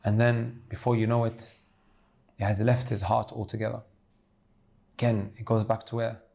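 A man delivers an earnest sermon with a dark, mellow voice. He speaks directly to his listeners as brothers and sisters, steady and sincere. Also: fairly low pitch, moderate pace, gravelly. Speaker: preacher.

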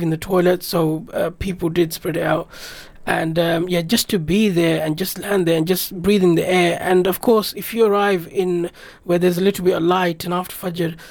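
A British man whose first language is English appears as a radio guest, recalling a personal trip in an earnest, reflective, rambling way. His voice sits high, gravelly and a little mellow, with no room sound.

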